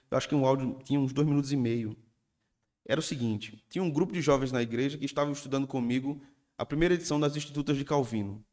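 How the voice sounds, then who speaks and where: A man preaching a sermon as pastor, telling stories in an animated way and acting out members of his congregation. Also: mid-range voice. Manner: animated storytelling, acts out congregants.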